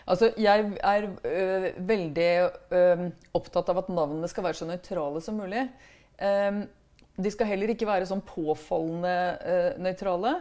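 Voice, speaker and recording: Woman, middle-aged, author guest, casual chat, frank, tag questions, low-ish voice. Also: a little mellow. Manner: chatty, frank, tags remarks with questions. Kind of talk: casual conversational interview.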